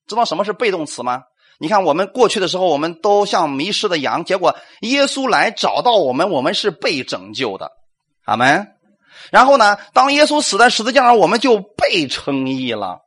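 High, animated male preacher. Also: brisk, slightly rough. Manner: animated, rhetorical questions, acts out quotes, calls for amens. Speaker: pastor. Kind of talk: sermon.

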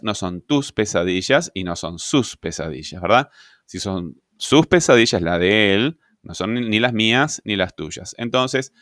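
A man's voice: on the low side, fairly bright tone, clean tone, no echo, studio quality. A man teaching a grammar lesson, patient, often checking with rhetorical questions. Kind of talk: grammar lesson explaining on screen.

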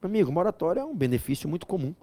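A man lecturing on law with big theatrical energy, his voice sitting fairly high and swinging widely. There's a gravelly fry in his tone, and he breaks into shouted, chanted memory tricks. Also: very animated, very fast. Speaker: law teacher.

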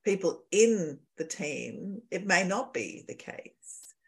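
A woman's voice: on the low side, animated, takes it slowly, creaky. A woman co-hosting a podcast in casual conversation, agreeable and thinking aloud as she talks. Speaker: podcast co-host.

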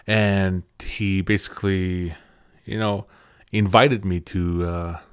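Male podcast host in his thirties, native Cree speaker, slightly low and smooth voice, dry close mic, casual halting delivery. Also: fairly even intonation, dry recording. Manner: halting, often restarts phrases. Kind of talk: casual personal storytelling.

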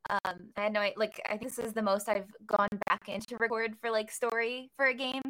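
A woman's voice: on the high side, level tone, a little fast, a bit bright, rough recording. A woman voice actor on a panel, talking casually with lots of fillers. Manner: chatty, filler-heavy and enthusiastic.

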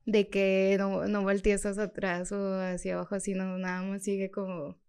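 A woman with a Mexican accent telling a personal story in a casual, animated way as a podcast guest, laughing often. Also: medium pitch, moderate pace, smooth. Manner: animated, laughs often, acts out her own past lines.

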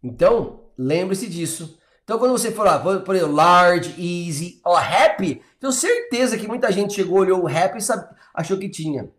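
High-voiced chatty Brazilian teacher. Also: male voice, lively intonation, moderate pace, hardly any pauses, a bit bright, reverberant. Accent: Brazilian Portuguese. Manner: chatty, encouraging, lots of fillers like "tá?" and "ó". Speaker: English teacher. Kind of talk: live online English lesson.

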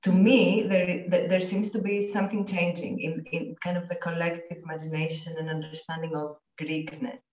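A woman interviewer asking a long question, halting and restarting as she searches for words. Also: fairly low pitch, little pitch movement, darkish tone, echoey room, far from the mic, highs cut off.

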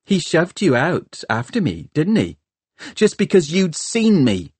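A man's voice: mid-range voice, takes it slowly, a little mellow, slightly rough, dry recording, voice pushed up. A man voicing a fierce, vengeful young woman in an audiobook, snappish, blunt and mocking. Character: fierce, bitter, injured young woman bent on revenge. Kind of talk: audiobook character dialogue.

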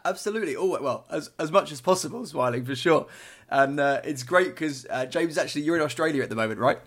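A man's voice: on the high side, fast talker, a bit bright. A man hosting a podcast, introducing his guest and asking questions in an upbeat, enthusiastic way. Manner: upbeat, enthusiastic, laughs often. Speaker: podcast host.

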